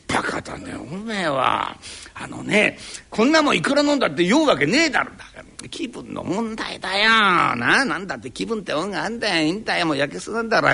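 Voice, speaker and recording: At a live performance hall, a man performs rakugo, voicing a bossy yet jovial landlord in an old Tokyo downtown accent, alternately coaxing and scolding with lively shifts of voice. His fully acted character voice sits high, with vocal fry, a breathy edge, and a quick pace.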